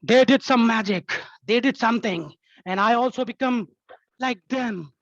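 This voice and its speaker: A woman telling a tall tale as a theatrical contest speech, in short, halting, dramatic phrases. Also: fairly high pitch, dry recording, lo-fi sound.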